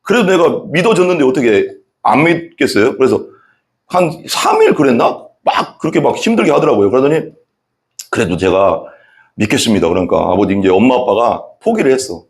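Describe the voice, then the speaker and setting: A male pastor preaches a sermon built around his own testimony, speaking at medium pitch and a little fast. He tells the story in an animated way, acting out the people in it.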